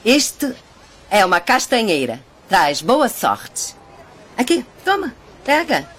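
A Brazilian woman dubbing a warm, generous, affectionate friend in a film. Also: on the high side, huge pitch swings, slow, husky, full character voice. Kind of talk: Brazilian Portuguese film dub.

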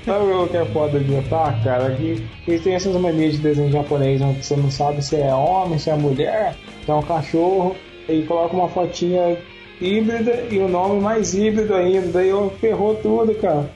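A man's voice: high-pitched, moderate pace, warm tone, highs cut off. Jokey Brazilian man, roomy sound. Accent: Brazilian Portuguese. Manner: jokey, swears freely, laughs a lot. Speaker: podcast co-host. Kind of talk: casual chat. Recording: roomy echoey home recording. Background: faint guitar music.

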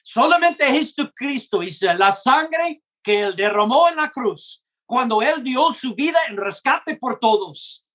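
A man preaching a gospel message in Spanish, which is not his first language, in a slow and earnest way, acting out short dialogues. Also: very high-pitched, expressive, bright, forceful tone. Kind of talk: gospel sermon.

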